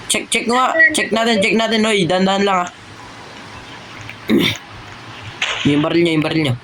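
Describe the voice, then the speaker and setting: Noisy, excitable game role-play voice. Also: medium pitch. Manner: shouts quick commands, repeats words. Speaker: gamer host.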